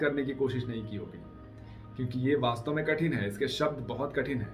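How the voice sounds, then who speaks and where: A man's fairly high voice at a moderate pace, with music in the background. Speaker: voice-over artist, voice coach. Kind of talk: voice training tutorial talk to camera.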